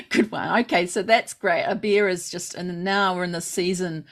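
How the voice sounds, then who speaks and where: A woman's voice: lowish voice, expressive, measured pace. Upbeat woman hosting an interview. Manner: enthusiastic, encouraging, laughs often. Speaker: podcast host. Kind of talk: casual interview chat.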